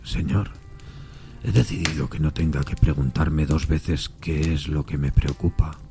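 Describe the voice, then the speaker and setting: Very deep-voiced, haunted railway signalman. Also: fairly even intonation, measured pace, over music. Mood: grave, troubled. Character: haunted railway signalman, solitary, troubled, earnest, dread-stricken. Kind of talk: dramatised audio fiction.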